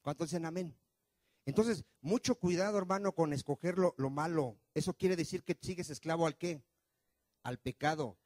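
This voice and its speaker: A male pastor preaches, firing question after question at his congregation. His voice sits fairly high for a man, swinging from loud pushes to low murmurs. The sound is dry and close. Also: moderate pace, dry recording. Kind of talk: sermon. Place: church.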